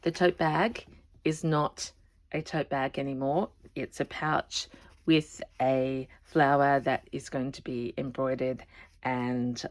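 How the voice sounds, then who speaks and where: Woman, slow, low-pitched, rambling show-and-tell host. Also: vocal fry. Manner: chatty, rambling, often trails off softly. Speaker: craft vlogger. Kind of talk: casual show-and-tell chat.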